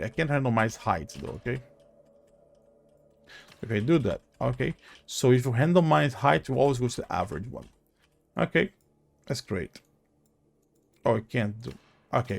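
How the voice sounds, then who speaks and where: Creaky-voiced man commentating on a game. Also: mid-range voice. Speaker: gaming video host.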